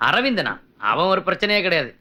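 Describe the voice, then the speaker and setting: An actor playing a brutal drunken thug who shouts threats. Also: male voice, high voice, big pitch swings, fairly quick, slight background noise, full character voice. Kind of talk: film dialogue.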